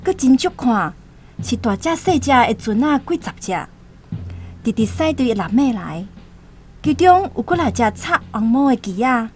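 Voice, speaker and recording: A woman's voice: on the high side, big pitch swings, moderate pace, slight background noise. A woman playing an anxious young tribal woman, earnest and dramatic in a radio drama, with a Taiwanese accent. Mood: tense, watchful. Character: anxious young tribal woman, the chief's daughter, recounting memories. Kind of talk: radio drama acting with first-person narration.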